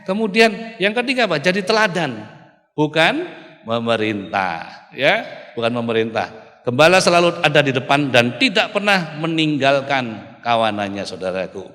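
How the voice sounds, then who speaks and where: A male pastor preaching an animated sermon, often calling out to the congregation. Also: medium pitch, normal speed. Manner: animated preaching, keeps calling the audience "saudaraku". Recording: reverberant hall.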